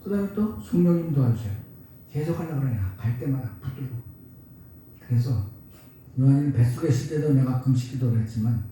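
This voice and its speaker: A man in his seventies preaching a sermon as pastor, telling homely stories and rising suddenly to loud emphasis. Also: mid-range voice, lively intonation, fairly quick, slight background noise. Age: 70s. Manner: folksy storytelling with sudden loud rises. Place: church sanctuary. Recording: echoey church hall, mic far off.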